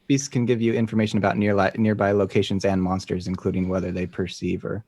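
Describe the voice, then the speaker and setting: A man's voice: deep voice, little pitch movement, fast, darkish tone, no room sound. A man chatting casually as a player in a tabletop game.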